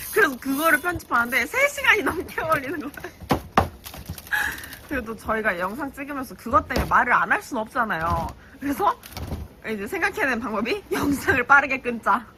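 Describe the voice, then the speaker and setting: The speaker has a strong Jeolla accent and talks at a fairly quick pace. Long, frequent pauses break up the speech, and background noise is noticeable. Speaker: family farm co-host. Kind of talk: casual chat. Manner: talkative.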